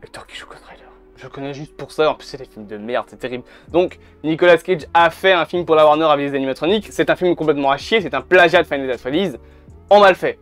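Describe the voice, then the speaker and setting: A man's voice: on the high side, fast talker. A man, chatting casually and bluntly to camera, swearing now and then. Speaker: YouTuber. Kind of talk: casual video commentary. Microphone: camera mic. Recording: faint background music.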